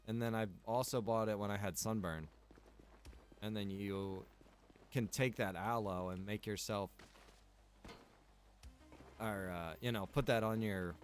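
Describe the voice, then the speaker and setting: An American man with a fairly low voice streams a video game and chats as he plays. His talk is loose and rambling, full of slang and the odd mild swear word. Music plays clearly behind him. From Pennsylvania, United States. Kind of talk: casual gameplay chat.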